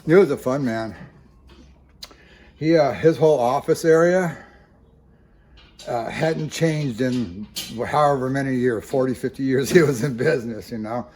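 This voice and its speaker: A man's voice: medium pitch, a little slow, long pauses, a little mellow. A middle-aged man chatting casually as a homestead vlogger, a rambling, chuckling storyteller talking outdoors on a farmstead into a camera mic. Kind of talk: casual chat. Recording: outdoor vehicle noise.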